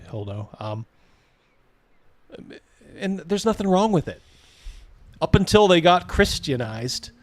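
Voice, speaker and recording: A man's voice: mid-range voice, dry recording. A man hosting a casual live commentary, reading out viewer comments in a blunt, mocking, sweary way. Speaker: host of a livestream reacting to a video.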